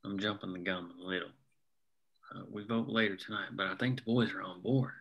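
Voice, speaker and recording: A man's voice: deep voice, steady tone, a little fast, lo-fi sound. A man reading the part of an easygoing working family man and union organizer, casual and plain-spoken, in a drama table read. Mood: casual, low-key.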